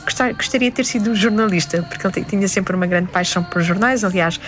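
A woman in her forties, born in Lebanon, guest in an interview, telling her story in a lively way and quoting the people in it. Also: medium pitch, fast talker. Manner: animated storyteller, quotes herself and others. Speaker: interview guest, publisher and party co-founder. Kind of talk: conversational interview.

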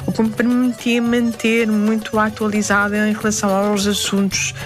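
A woman in her forties, born in Lebanon, guest in an interview, telling her story in a lively way and quoting the people in it. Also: mid-range voice, normal speed, over music. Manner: animated storyteller, quotes herself and others. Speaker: interview guest, publisher and party co-founder. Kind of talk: conversational interview.

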